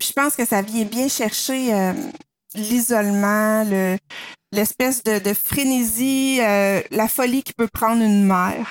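In a very clean recording with a silent background, a woman with a fairly high pitch speaks at a very slow pace, her intonation fairly even. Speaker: novelist. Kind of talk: casual chat.

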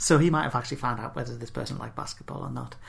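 With a northern English accent, a man speaks using vocal fry. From northern England. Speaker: podcast host, amateur basketball player. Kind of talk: casual chat.

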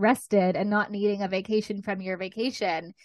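Speaking at a moderate pace with a Californian accent, a woman keeps a medium pitch and fairly even intonation. The sound is dry and close, with no echo. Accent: Californian American. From Los Angeles, US West Coast. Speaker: sobriety coach. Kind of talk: casual chat.

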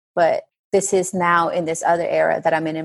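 In a dry, close recording with no echo, a woman speaks at a fairly low pitch in a monotone, flat intonation. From Colombia (Bogota). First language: Spanish. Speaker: meditation teacher and spiritual coach. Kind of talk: casual interview.

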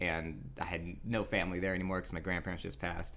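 A man speaks with an American accent. His tone is bright and sharp, with vocal fry. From Washington State, US. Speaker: actor and comedy writer. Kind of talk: casual chat.

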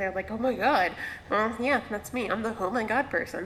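Noticeable background noise fills the recording. Through it, a woman talks at a moderate pace. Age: 20s. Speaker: podcast host. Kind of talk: casual chat. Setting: online voice call.

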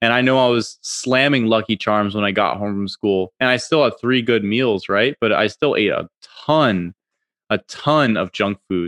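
In a plain, everyday voice, a man speaks at a medium pitch and a moderate pace with ordinary pitch variation, over a quiet background. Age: 20s. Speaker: health podcast co-host. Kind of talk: casual chat.

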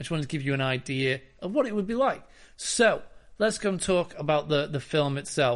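Over a quiet background, a man with a fairly high pitch talks at a fairly quick pace with lively intonation. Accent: British. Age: 30s. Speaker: film podcast host. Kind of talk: casual solo podcast talk. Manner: animated.

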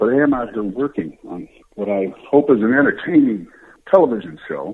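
Here a man talks with a Canadian accent. His pace is moderate. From Canada, southern Ontario (London, Ontario). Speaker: voice actor and TV actor. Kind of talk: interview.

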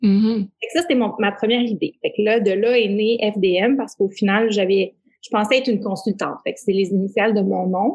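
A woman speaks at a moderate pace in a fairly high, somewhat breathy voice with ordinary pitch variation. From Quebec, Estrie. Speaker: communications agency founder. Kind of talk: interview.

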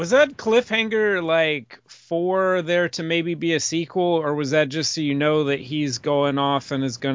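With hardly any pauses, a man talks at a fairly slow pace in a plain, everyday voice, fairly high in pitch for a man and with ordinary pitch variation. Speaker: podcast co-host. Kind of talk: casual chat.

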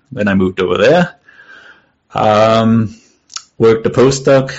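The speaker has a Danish accent, a moderate pace and ordinary pitch variation. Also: man. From Denmark. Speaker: author and early retirement blogger. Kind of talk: interview. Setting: remote call. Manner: repeats words, halting.

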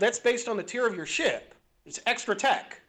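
Over a silent background on a very clean recording, a man projects a raised voice. His tone is bright and sharp. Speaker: game player caller. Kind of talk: casual chat. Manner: loud.

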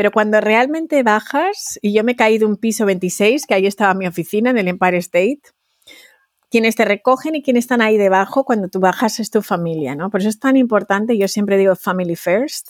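An unremarkable speaking voice from a woman, fairly high in pitch with ordinary pitch variation, at a fairly quick pace, in a dry, close sound with no echo. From Valencia, Spain. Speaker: entrepreneur. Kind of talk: interview conversation.

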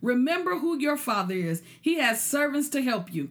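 Very wide pitch swings mark this woman's high voice on a very clean recording with a silent background. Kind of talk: sermon. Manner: fervent, commanding, urgent preaching with repeated exhortations.

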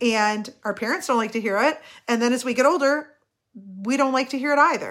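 A woman with a high pitch speaks in an animated tone with ordinary pitch variation. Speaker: singer and voice teacher. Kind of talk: solo podcast update.

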